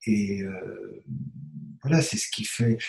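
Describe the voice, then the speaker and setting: In a dark, mellow, somewhat breathy tone, a man speaks at a fairly slow pace. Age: 60s. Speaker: theatre director. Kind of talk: interview. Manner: halting, many hesitations.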